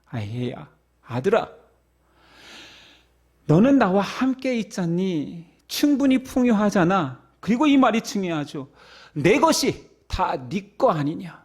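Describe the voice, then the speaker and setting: A kindly father coaxes his resentful son, as a male preacher acts him out. His reassurances rise and fall with lively pitch, sitting slightly high. He pleads softly rather than commands. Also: slow, slightly rough, heavily acted. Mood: coaxing. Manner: coaxing, reassuring. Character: gentle pleading father of two grown sons.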